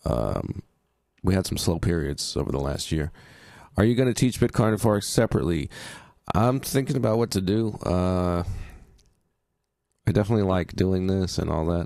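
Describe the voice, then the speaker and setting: A man with a dark, mellow tone speaks at a moderate pace. His intonation is lively, broken by long, frequent pauses. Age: 40s. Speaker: crypto and forex trading streamer. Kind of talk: live stream commentary. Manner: casual with many fillers.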